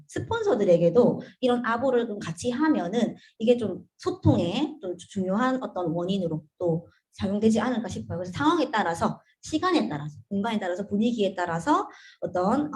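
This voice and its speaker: A woman giving a seminar lecture to business partners, animated, often starting with "자" and asking the room rhetorical questions. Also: mid-range voice.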